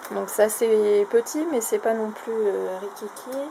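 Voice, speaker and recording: A woman's voice: mid-range voice, fairly even intonation, unhurried, gravelly. A woman casually showing a craft shopping haul, talking in a chatty, hesitant way with many fillers. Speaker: craft vlogger. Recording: noisy home recording.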